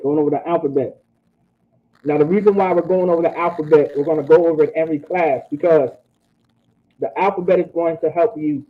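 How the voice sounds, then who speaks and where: A man teaching an online language class, repeating phrases and checking in with "all right?". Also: on the high side. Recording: tinny phone-like audio.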